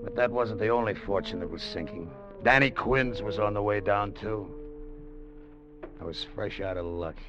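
An actor playing a desperate treasure-hunting sailor in a 1940s radio drama, narrating in a hard-boiled first-person voice. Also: male voice, lowish voice, normal speed, lightly acted. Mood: bleak. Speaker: narrator and lead character. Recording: dull old radio broadcast with music.

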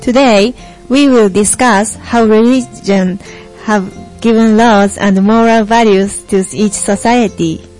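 A woman's voice: mid-range voice, steady tone, slow pace, darkish tone, lightly acted, low-quality recording. A young woman playing an earnest American Christian panelist in a scripted student stage play, over music. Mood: earnest, measured. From Japan. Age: young adult. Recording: music behind the voice.

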